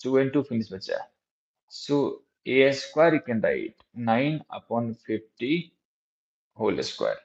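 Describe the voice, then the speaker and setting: A man with a South Asian accent teaching a live physics lesson in a halting, repetitive way, often checking with his students. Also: medium pitch, sing-song. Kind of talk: live exam-prep lesson, working through problems. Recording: dull lo-fi recording.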